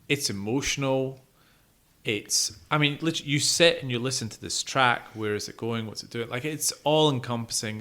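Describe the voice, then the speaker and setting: This co-host's medium-pitched voice is sharp and carries vocal fry. Chatting casually about music on a podcast, he gives strong opinions emphatically, swearing plenty and repeating words to drive points home.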